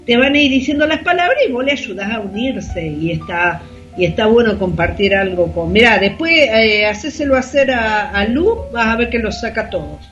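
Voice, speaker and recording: A woman's voice: fairly high pitch, animated, normal speed, a bit bright, highs cut off, soft background music. A woman with an Argentine Rioplatense accent co-hosting casual radio chat, hesitant, with many fillers. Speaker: radio co-host.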